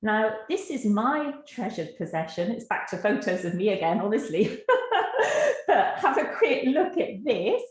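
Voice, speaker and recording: A woman with a gentle West Country accent leads a teacher-training webinar over a video call. She talks in a chatty, easy way and laughs often. Her voice sounds echoey, as if she is in a bare room. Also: medium pitch, big pitch swings, a little slow. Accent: slight West Country English. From England, Gloucestershire. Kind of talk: online teacher-training talk. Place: online video session.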